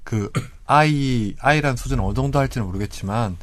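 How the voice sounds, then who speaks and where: A man speaking as a panelist in a casual discussion, measured and hesitant as he thinks aloud. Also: mid-range voice, no echo.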